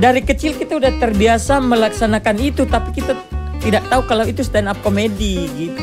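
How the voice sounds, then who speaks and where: Over background music, a man speaks at a very fast pace. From East Nusa Tenggara, Indonesia. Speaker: stand-up comedian and content creator. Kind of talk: casual podcast interview answer.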